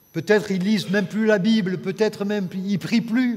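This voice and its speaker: Speaking at a fairly slow pace, a man has a high pitch. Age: 60s. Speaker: pastor. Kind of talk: sermon.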